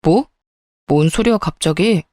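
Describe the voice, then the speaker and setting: A woman's voice: lowish voice, measured pace, darkish tone, no echo, clean studio sound, natural voice. A woman voicing a curt, dismissive husband who brushes off his wife with irritation. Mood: irritated. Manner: brusque and irritated.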